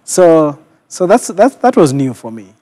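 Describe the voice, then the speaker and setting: A middle-aged man with a Kenyan accent and a voice a little higher than average. He is a pastor telling his own story in a television studio interview, reflective and measured, pausing as he goes. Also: very animated, dark tone, no room sound. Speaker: guest, senior pastor. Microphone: lapel mic.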